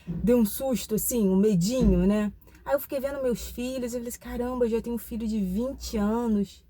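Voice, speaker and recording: A woman's voice: fairly high pitch, fairly quick, warm tone, no echo. A Brazilian woman in her forties, talking to her viewers in a reflective, confiding way with many tag questions. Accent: Brazilian Portuguese. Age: 40s. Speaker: channel host. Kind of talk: casual personal vlog talk.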